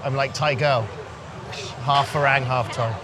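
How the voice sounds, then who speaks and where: A London man with a mid-range, fairly even, slightly slow voice works as a dating coach, chatting up women in public with playful, flirty talk. He teases them in simplified, pidgin-style broken English aimed at a non-native listener. The recording picks up a noisy street, with traffic and urban noise all around.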